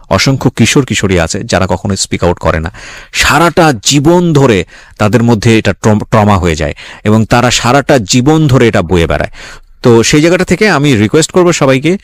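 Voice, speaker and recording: A man's voice: medium pitch, no echo. Man, radio host, earnest, appealing to listeners, dry studio sound. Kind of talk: radio call-in talk show.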